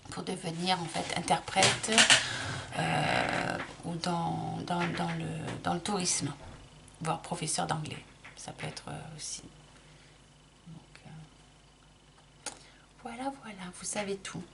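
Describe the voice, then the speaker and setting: A middle-aged woman talks through her makeup routine in a relaxed, chatty way, stopping and restarting her sentences as she works. Her voice has a light gravelly edge. There is a faint hiss and some room ambience behind her. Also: lowish voice, takes it slowly, pauses often. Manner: chatty, explains while applying, frequent restarts and fillers. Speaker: makeup vlogger. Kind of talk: casual makeup tutorial.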